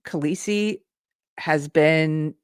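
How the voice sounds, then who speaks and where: A woman's voice: low voice, drawn-out words, clear, resonant tone, dry recording, studio quality. A woman hosting a casual commentary show, thinking aloud with restarts and reading posts aloud as she comments on them. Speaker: host.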